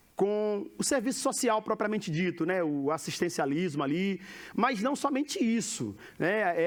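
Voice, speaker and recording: A man speaks at a moderate pace in a high voice with a Pernambuco accent. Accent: Pernambuco (northeastern Brazilian). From Pernambuco, Brazil (Petrolina). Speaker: missionary pastor. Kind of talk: sermon.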